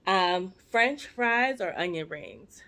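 A Jamaican-born woman in her forties, raised in the US, vlogs from her living room with the camera at arm's length. She rambles playfully and makes asides to viewers in a fairly low, animated, fairly bright voice, taking her time.

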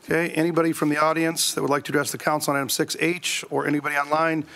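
A man chairing a city council meeting as mayor, reading agenda items in a brisk, procedural way at a desk microphone in a council chamber. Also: on the high side, level tone, gravelly, bright, forceful tone.

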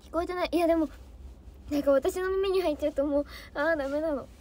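A woman's voice: high-pitched, fast, a little mellow. A young woman, an idol trainee, chatting casually on a livestream, bubbly and easily flustered as she answers comments.

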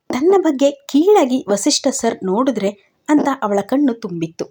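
A woman narrating a romance story in a calm, steady manner. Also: mid-range voice, breathy edge.

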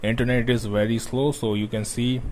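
A young man who is not a native English speaker, talking through a computer tutorial with grammar slips and frequent pauses. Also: medium pitch, level tone, a little hiss or hum. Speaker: tech tutorial host. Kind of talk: screen-recorded tutorial.

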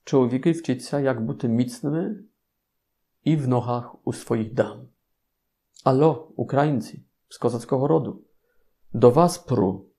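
A man's voice: medium pitch, slow, pauses often, dark tone. A man with a Polish accent, a Capuchin friar giving an informal sermon with playful, ironic asides to his listeners.

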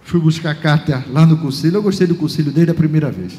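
Brazilian man telling a lively church testimony. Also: a little high, fast. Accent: Brazilian Portuguese. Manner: lively storytelling, acts out dialogue, chuckles often. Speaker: pastor giving a testimony. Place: large church hall. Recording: reverberant church hall, faint ambience.

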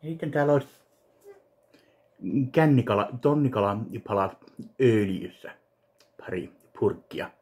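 A man in his thirties from Finland, casually narrating an unboxing of a fan package in his home kitchen, speaking slowly and haltingly to a webcam. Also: mid-range voice, lively intonation, darkish tone. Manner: slow, halting, listing items one by one. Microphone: webcam at desk distance.

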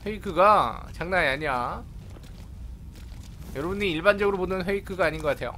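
Speaking a little fast in a high-pitched voice, this man streams a horror game Let's Play, greeting and chatting with viewers. He gets excitable, yelping and shouting whenever something attacks suddenly. Slight background noise can be heard.

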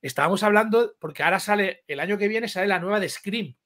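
Excitable man with a Spain Spanish accent. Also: high-pitched, fast. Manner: excitable, rambling, slangy storytelling. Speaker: host. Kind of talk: casual live-stream chat.

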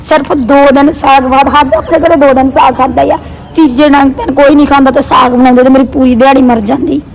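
A young woman chatting casually for a vlog, teasing and complaining through a hoarse, strained sore throat. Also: high-pitched, steady tone, brisk, poor audio. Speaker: family vlogger. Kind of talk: casual vlog banter with partner.

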